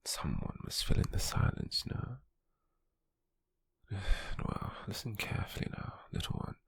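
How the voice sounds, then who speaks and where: A British man acting a cold, possessive slave merchant in an ASMR roleplay, speaking formally and condescendingly in a breathy, gravelly half-whisper close to the mic. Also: lightly acted. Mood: measured, possessive. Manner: slow, measured, formal, condescending. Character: cold, possessive male slave merchant, controlling yet intrigued captor. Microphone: close microphone, dry.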